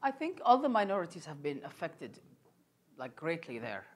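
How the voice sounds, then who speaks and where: A man from Iraq whose first language is Aramaic, answering audience questions after a lecture with thoughtful, halting restarts. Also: on the high side, very animated. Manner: thoughtful, with frequent restarts and fillers.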